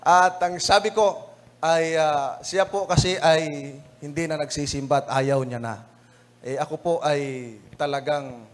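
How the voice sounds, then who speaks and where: Speaking to the brethren with a Filipino accent, this evangelist mixes funny anecdotes into a lesson-review sermon. His voice is on the higher side, and he chats freely, laughs often, and keeps saying "mga kapatid."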